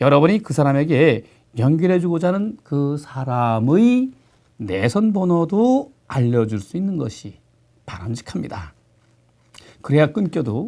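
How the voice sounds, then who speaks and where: Against a quiet background, a man with a dark, mellow tone speaks at a fairly slow pace, with very wide pitch swings, big swings in loudness and long, frequent pauses. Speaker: English lecturer. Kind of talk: lecture. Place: studio. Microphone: lapel.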